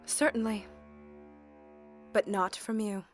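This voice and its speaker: An actress playing a cool, defiant maid in an audio drama, curt and politely firm. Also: female voice, medium pitch, level tone, slow pace, loud music behind the voice, lightly acted. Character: cool, defiant maid rebuffing an employer's guest.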